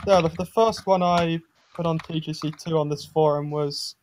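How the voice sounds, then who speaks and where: A man's voice: on the high side, steady tone, moderate pace, a little mellow, a little hiss or hum. A man chatting casually as a guest on a gaming stream, hesitant and modest in his way of talking. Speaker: guest golf course designer on a gaming stream. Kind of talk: casual chat.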